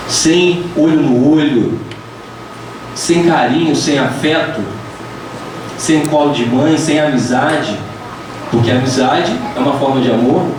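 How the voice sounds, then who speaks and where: A fairly high-voiced Brazilian man gives a chatty, joking public talk and keeps putting questions to the audience. He sounds set back from the microphone in a very echoey hall, with noise audible behind him. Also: recorded from a distance. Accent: Brazilian Portuguese. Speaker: lecturer at a spiritist center. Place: lecture hall of a spiritist center, indoors.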